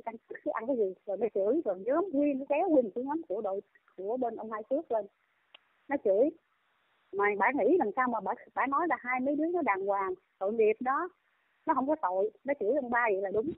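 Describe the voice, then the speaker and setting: A woman's voice: on the high side, no room sound. A middle-aged woman with a Southern Vietnamese accent calls in and delivers a heated, scolding monologue. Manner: scolding, indignant. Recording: tinny dry phone line.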